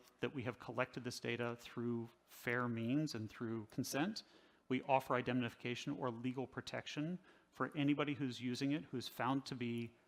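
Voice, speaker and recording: A man with an American accent speaks at a moderate pace in a normal speaking voice. His pitch is medium and his intonation fairly even. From US. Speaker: tech company executive. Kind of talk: conference keynote.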